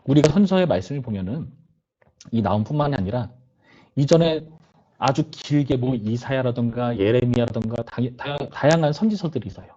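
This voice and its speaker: A man's voice: medium pitch, animated, fairly quick, dark tone, dull audio. A young man, a youth pastor, giving a conversational sermon to teenagers and voicing their complaints and questions. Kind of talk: sermon to teenagers over video call.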